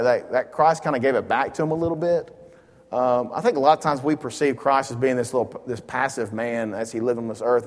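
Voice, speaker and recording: Earnest man teaching Bible study, echoey hall. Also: mid-range voice. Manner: earnest, conversational, thinks aloud. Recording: long hall reverb.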